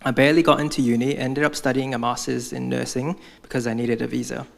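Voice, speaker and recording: A man's voice: medium pitch, level tone, quick pace, creaky. A young man from Hong Kong giving a prepared church testimony, speaking earnestly as if from notes.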